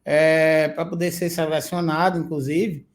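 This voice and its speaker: A man's voice: a little high, flat delivery, unhurried. A male podcast host, speaking emphatically and indignantly, with hesitant fillers. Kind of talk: interview questions and commentary.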